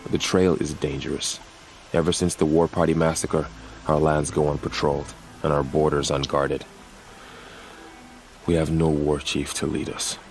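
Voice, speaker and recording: A man playing a proud, gruff tribal warrior in a video game, sighing and grumbling with weary pride. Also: extremely low pitch, flat delivery, normal speed, a little hiss or hum. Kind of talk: video game cutscene acting.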